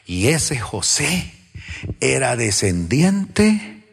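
A pastor preaching to his congregation, dramatic and questioning, going from loud exclamations to hushed whispers. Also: mid-range voice, very animated, extremely slow, creaky, husky, in a large hall. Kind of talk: sermon. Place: church.

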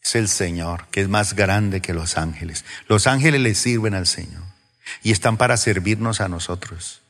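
A pastor preaching to his congregation, dramatic and questioning, going from loud exclamations to hushed whispers. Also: on the low side, moderate pace, big-room sound. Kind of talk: sermon. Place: church.

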